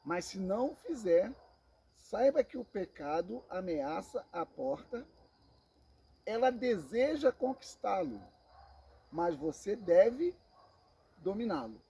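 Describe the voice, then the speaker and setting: Brazilian male preacher, slow deliberate delivery, gravelly fry in the voice, repeats for emphasis. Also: high-pitched, big pitch swings, mellow, rough recording. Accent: Brazilian Portuguese. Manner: slow emphatic preaching, repeats phrases, addresses listeners as brothers. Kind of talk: Bible teaching sermon.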